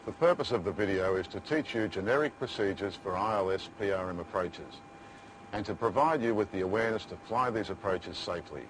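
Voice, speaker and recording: Over a faint rumble, a male instructor explains procedures in a lowish voice. His delivery is scripted and formal, setting out questions and then answering them. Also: fairly quick, rough recording.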